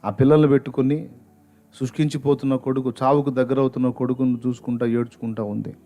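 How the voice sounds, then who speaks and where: A man's voice: medium pitch, flat delivery, fast, warm tone, faint music behind. A male pastor who preaches a sermon by telling a dramatic story with strong emotion.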